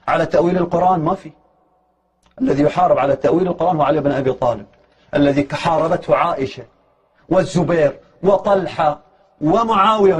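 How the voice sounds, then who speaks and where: A man delivers a polemical religious lecture at a rapid clip. His voice is husky and rides slightly high, and he drives his arguments hard with emphatic challenges.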